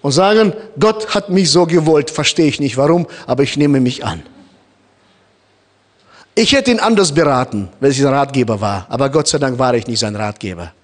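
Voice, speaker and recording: A man's voice: medium pitch, expressive, normal speed. A man born in Kazakhstan preaching a sermon in German with a noticeable foreign accent, addressing the congregation directly and acting out little scenes. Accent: Kazakh-born, speaking German with a noticeable foreign accent.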